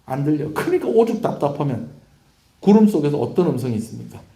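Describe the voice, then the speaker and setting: A man's voice: fairly high pitch, sing-song, fast talker, warm tone, reverberant. A man, a pastor with a Gyeongsang accent, preaching a fervent sermon and calling out to his congregation. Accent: Gyeongsang Korean. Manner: preaching with rising fervor and call-and-response. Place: church sanctuary.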